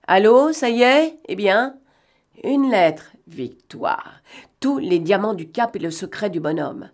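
A woman reading aloud and voicing a cunning male gentleman thief who talks in a mocking, bantering way and snaps out brisk orders. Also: mid-range voice, expressive, voice pushed up. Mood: commanding. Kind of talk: audiobook reading.

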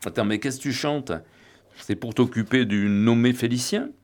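A man reading an audiobook, voicing an excitable, greedy petty crook who pushes with prying questions. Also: medium pitch, moderate pace, lightly acted.

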